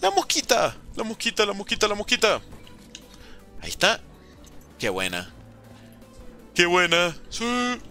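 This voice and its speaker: A Venezuelan man streaming a game live, chatting with viewers and reacting in quick bursts. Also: high voice, soft background music. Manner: lively, banters with chat, talks fast in bursts. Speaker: gaming streamer. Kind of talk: live gameplay commentary reading chat.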